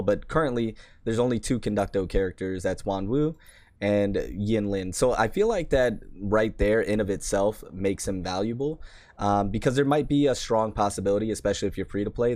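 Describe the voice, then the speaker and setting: Hoarse man talking through a game guide. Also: lowish voice, darkish tone, no room sound. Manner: chatty, rambling, self-deprecating. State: hoarse, worn-out voice. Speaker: gaming channel host. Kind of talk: casual game guide commentary.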